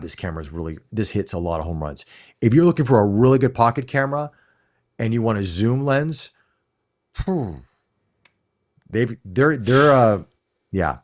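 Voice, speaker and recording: A middle-aged American man co-hosting a casual live-stream chat, talking emphatically and often restarting his phrases. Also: lowish voice. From United States. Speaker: co-host.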